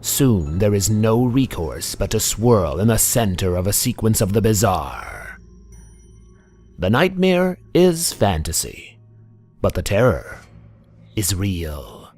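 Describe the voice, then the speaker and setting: A man delivering dramatic scripted narration in an ominous, solemn, deliberate manner. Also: fairly low pitch, very animated, a little mellow, slightly rough. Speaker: voice-over artist. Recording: music bed behind the voice.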